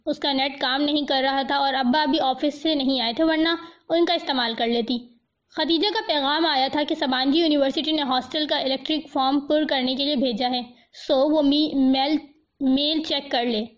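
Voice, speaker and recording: A woman narrating a novel as an audiobook in a steady, expressive reading voice, on a dull lo-fi recording. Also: sits high.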